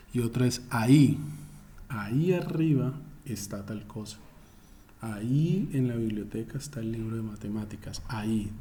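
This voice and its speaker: A man's voice: mid-range voice, warm tone, a little hiss or hum. A man teaching a Spanish class, explaining spelling rules emphatically and spelling words out letter by letter.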